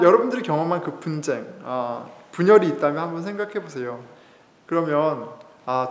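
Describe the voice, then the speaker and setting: A male pastor giving a sermon in a church, telling stories in a conversational way with fillers and chuckles. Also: a little high. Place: church sanctuary. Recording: echoey hall reverb.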